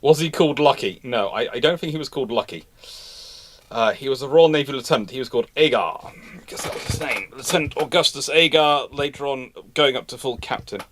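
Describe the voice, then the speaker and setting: A man's voice: medium pitch, brisk, a little hiss or hum. A man hosting a casual live history discussion, telling stories emphatically in a rambling, self-correcting way. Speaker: livestream host and naval historian.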